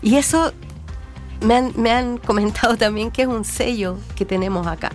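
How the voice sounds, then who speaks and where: A woman speaks as a folklorist guest on a talk show. She talks thoughtfully and clears her throat now and then. Faint music sits behind her voice. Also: fairly high pitch, moderate pace. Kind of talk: casual interview talk.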